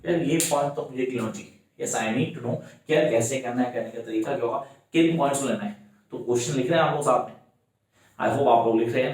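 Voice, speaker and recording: A male tutor with an Indian English accent delivers a brisk exam-prep lecture in a mid-range voice, speaking directly to his students and answering his own questions. The room is very echoey, and he is far from the microphone.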